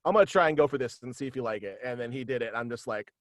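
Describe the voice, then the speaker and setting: A man's voice: mid-range voice, racing, no echo, clean studio sound. A man chatting casually as an interview guest on a home video call, talking in a hesitant but enthusiastic way. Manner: hesitant, enthusiastic, chuckles often. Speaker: guest, writer of a superhero radio play.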